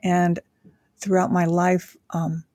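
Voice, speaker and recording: An older woman from Japan, a guest talking reflectively in a casual interview, pausing often with fillers. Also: on the low side, completely flat delivery, dark tone, dry recording, clean studio sound. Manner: reflective, with frequent pauses and fillers.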